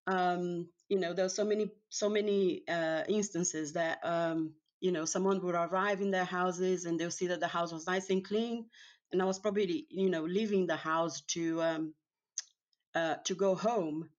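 A woman from Brazil with a Brazilian accent, a Portuguese speaker talking in English as an interview guest, in a halting, easygoing way with many pauses and restarts. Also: lowish voice, fairly even intonation, dull audio. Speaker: guest, house cleaner. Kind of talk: casual interview chat.

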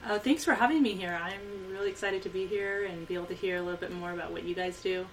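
A woman from Costa Rica speaks as a podcast guest, pausing often and filling gaps with ums. Her voice sits back from the microphone, with a faint hiss of noise behind it. Her pitch is mid-range for a woman. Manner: hesitant, with frequent ums. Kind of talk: casual interview. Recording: mic at a distance, faint noise.

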